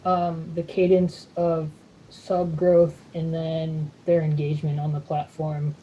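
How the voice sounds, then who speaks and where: A woman speaking as a financial analyst, asking questions haltingly on a muffled conference call. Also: deep voice, monotone. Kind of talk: hesitant spoken questions.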